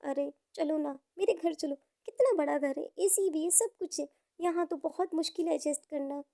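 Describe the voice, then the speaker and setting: A woman's voice: high-pitched, normal speed, vocal fry, warm tone, no echo, studio quality. A woman playing a lovestruck, pampered young daughter in a story, with an earnest, pleading way of talking. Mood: complaining, coaxing.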